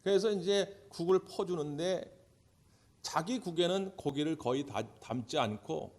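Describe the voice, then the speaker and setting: A pastor preaches a sermon to his church, storytelling and acting out the voices of the characters while asking questions of the congregation. His voice is a little high, a little slow, and a little mellow.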